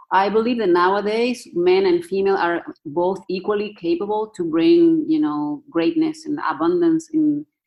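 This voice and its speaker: A woman with a non-native accent and medium pitch speaks at a moderate pace with hardly any pauses and very wide pitch swings. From southern Chile, Patagonia. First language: Spanish. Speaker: fitness and wellness coach. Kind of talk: interview conversation.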